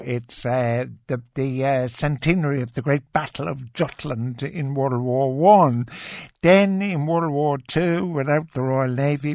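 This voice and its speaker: A man from Cork with an Irish accent, hosting a radio phone-in and reading out listener messages with brisk retorts. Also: medium pitch, dry recording, studio quality. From Cork, Ireland. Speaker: radio talk show host. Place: radio studio. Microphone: studio microphone.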